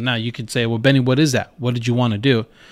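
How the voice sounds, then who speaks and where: Speaking with an American accent, a man keeps a medium pitch and fairly even intonation. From Northern California. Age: 30s. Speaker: podcast host. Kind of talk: casual monologue, Q&A.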